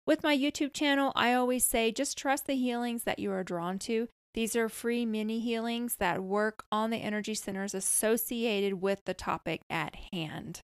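A woman hosting a podcast on energy healing, speaking in a calm, soothing, reassuring manner. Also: fairly high pitch, moderate pace, few pauses, clear, resonant tone, dry recording, studio quality. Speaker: podcast host and energy healer. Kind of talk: podcast talk and guided healing.

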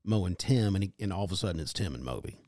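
A man's voice: low voice, animated, dark tone, no room sound. A man co-hosting a casual podcast, stumbling through listener messages and joking that he can't read. His voice rises and falls a lot as he goes. The sound is dry and close. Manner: reads haltingly, jokes about being unable to read. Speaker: podcast co-host. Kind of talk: casual chat reading listener comments.

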